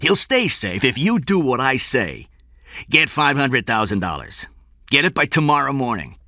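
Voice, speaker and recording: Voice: medium pitch, sing-song, a little slow, pushed and bright, no echo, studio quality, pitched above the performer's own voice, exaggerated voice. A narrator voicing a menacing male kidnapper on the telephone, hard and commanding. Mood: cold threatening.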